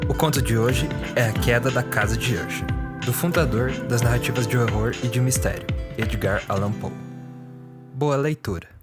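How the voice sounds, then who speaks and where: A man's voice: medium pitch, normal speed. A man with a Brazilian accent hosting a podcast, delivering scripted announcements to listeners. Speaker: podcast host and producer. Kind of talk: scripted podcast introduction and appeal. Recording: clear music behind the voice.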